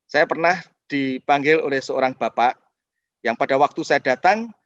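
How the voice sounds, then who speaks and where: A man's voice: mid-range voice, moderate pace, no room sound, muffled recording. A man, a pastor, teaching a sermon in a webinar, telling stories and addressing the congregation directly. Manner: lively storyteller addressing the congregation.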